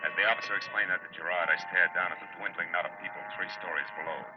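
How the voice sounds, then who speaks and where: A man's voice: sits low, fairly even intonation, fast, close to an everyday voice. A man acting a world-weary, curt American private detective in old-time radio style, with clipped, tough delivery. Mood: grim narration. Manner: clipped, terse, tough-talking. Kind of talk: 1940s radio acting, scripted first-person narration. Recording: muffled, noisy old radio recording.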